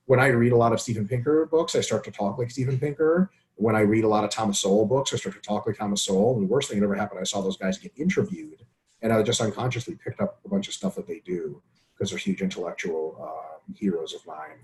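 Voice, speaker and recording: A man's voice: fairly low pitch, fast talker, darkish tone, low-quality recording. A man co-hosting an online webinar, reading listener questions and chatting in a joking, profane way over a computer mic. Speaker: webinar co-host.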